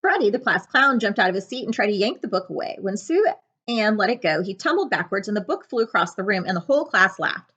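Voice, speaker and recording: Bright, animated woman reading a picture book. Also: mid-range voice, fast talker, breathy edge, dull audio. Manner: expressive, dramatic storytelling. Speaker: librarian reading aloud. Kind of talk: children's picture-book read-aloud with asides. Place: living room couch, indoors.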